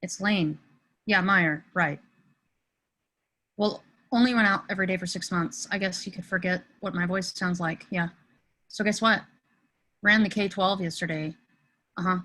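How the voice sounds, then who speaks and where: A woman's voice: lowish voice, moderate pace, pauses often, bright, forceful tone, rough recording. A woman reading the part of an earnest, anxious teenage boy in an amateur table read of a film script. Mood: awkward, deflated.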